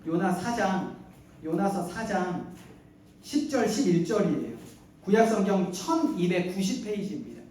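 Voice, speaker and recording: A male pastor preaching a sermon, animated and playful, often putting questions to the congregation. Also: high voice. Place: church sanctuary. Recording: echoey church hall, mic at a distance.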